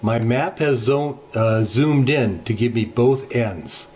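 Slow-talking man with many filler pauses. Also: medium pitch, darkish tone, slight background noise. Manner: unhurried, many "uh" fillers, plain explaining. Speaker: ham radio channel host. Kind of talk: screen-share software tutorial. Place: home radio shack, indoors.

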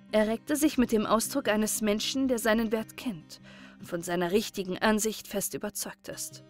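A woman storyteller calmly and expressively reading a holiday fairy tale as an audiobook, over faint music. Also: on the high side. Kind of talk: scripted audiobook narration.

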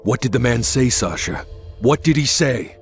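A man playing a bitter, hardened soldier in a game cutscene, gravelly and brooding. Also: medium pitch, lively intonation, normal speed, faint music behind. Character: bitter, hardened soldier, self-declared villain. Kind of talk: dramatic game cutscene acting.

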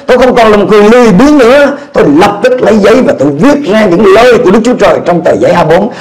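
A middle-aged pastor from Vietnam delivers a testimony sermon in a high-pitched male voice. He sinks into low, hushed storytelling, then climbs into loud, fervent cries. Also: poor audio. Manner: swings from low quiet narration to loud high fervent exclamations.

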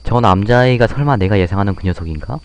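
A man's voice: on the low side, quick pace, slight background noise. A man playing a game and thinking aloud in casual commentary. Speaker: game player.

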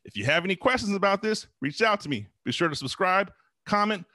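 An American man in his forties giving a direct motivational sales talk to camera, emphatic and deliberate, repeating phrases for stress, on a close desk mic. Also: high-pitched, lively intonation, pushed and bright. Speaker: host, sales coach. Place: small home office, indoors. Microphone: close desk microphone.

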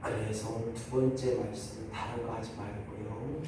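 A man preaching a sermon as pastor, animated, acting out congregants in high mocking voices. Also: moderate pace, noisy background. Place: church sanctuary. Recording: very echoey church from far off.

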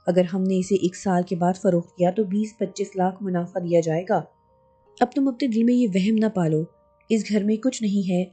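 A woman's voice: medium pitch, mellow, slightly rough, lightly acted. A woman voicing a young husband in a horror audiobook who talks earnestly and half-jokingly to hide his worry. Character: worried young husband, bluffing bravado.

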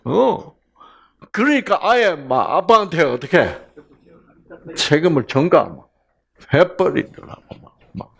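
A man giving a Bible lecture as a lively storyteller, asking the audience questions as he goes. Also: a little high, takes it slowly, gravelly, long pauses, husky.

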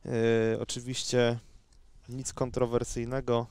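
A man giving unhurried, conversational live tennis commentary in a measured, somewhat hesitant way. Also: medium pitch, monotone, a little mellow, clear, resonant tone, no room sound.

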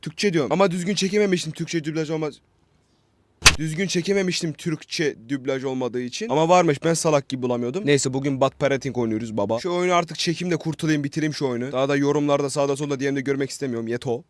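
A man's voice: on the high side, fast talker, a little hiss or hum. A young man casually commenting while playing a horror game, rambling, swearing and joking at himself. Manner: rambling, swears freely, self-mocking jokes. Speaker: gaming YouTuber. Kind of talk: casual let's-play commentary.

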